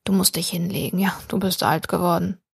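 A woman's voice: on the low side, little pitch movement, brisk, gravelly, husky, no room sound, studio quality, voice pushed down, exaggerated voice. Woman reading as a lonely old woman muttering to herself. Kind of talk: audiobook reading.

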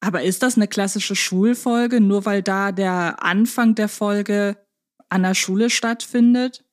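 A woman's voice: medium pitch, fairly even intonation, measured pace. A woman co-hosting a podcast in a casual, humorous, chatty style. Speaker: podcast host.

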